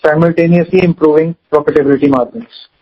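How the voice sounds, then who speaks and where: A man's voice: a little high, fairly even intonation, fast talker. A man with an Indian accent formally reading out scripted financial results as a company executive on an earnings call. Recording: dull, lo-fi conference call audio.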